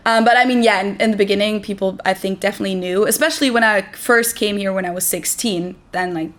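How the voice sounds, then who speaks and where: A young woman from Germany talks through her experiences in casual English with a German accent. Her voice sits at an ordinary middle pitch. She keeps a relaxed, rambling flow, peppered with "like" and small laughs. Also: fast. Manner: relaxed, chatty, lots of "like" fillers and light laughs. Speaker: interview guest. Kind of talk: casual chat.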